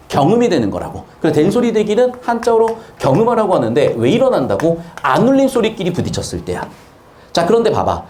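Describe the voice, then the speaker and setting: Male lecturer, high and animated, repeats points and quizzes the class. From South Korea, Changwon. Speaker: Korean grammar teacher.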